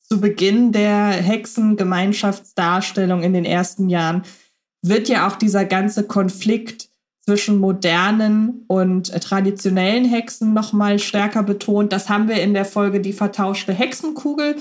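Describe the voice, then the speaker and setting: A woman's voice: mid-range voice, steady tone, unhurried. Thoughtful woman co-hosting a fan podcast. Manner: thoughtful, checks notes and corrects herself. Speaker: podcast co-host. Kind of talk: casual fan podcast discussion.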